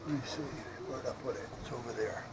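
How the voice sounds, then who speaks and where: A man chatting casually and rambling as he thinks out loud while doing hobby radio repair. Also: medium pitch, fast talker. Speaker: hobbyist radio repairer showing his work. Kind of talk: casual unscripted vlog chat while working. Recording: clearly noisy hobby video recording.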